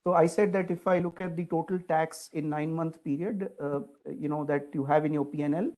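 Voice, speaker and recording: Guy analyst asking detailed questions on an earnings call, slightly high voice, polite, hesitant. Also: fairly even intonation, brisk, a little mellow.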